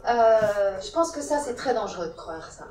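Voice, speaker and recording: A woman of Italian origin, a panelist at a round-table discussion, speaking forcefully and urgently into a handheld mic. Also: on the high side, sing-song, moderate pace, crowd noise. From Italy. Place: large conference hall. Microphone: handheld mic, filmed from far. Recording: echoey hall from far off.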